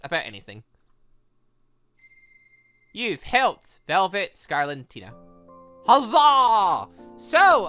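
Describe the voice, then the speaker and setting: A gaming YouTuber giving excitable, rambling, giggly commentary on a visual novel, with game music behind. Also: medium pitch. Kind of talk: gameplay commentary, reading visual novel dialogue aloud.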